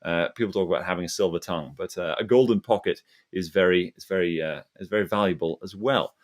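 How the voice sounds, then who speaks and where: A man hosting a casual panel discussion, speaking in a hesitant, rambling way. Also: low-pitched. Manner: hesitant, halting, rambling delivery. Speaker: host of an investment discussion.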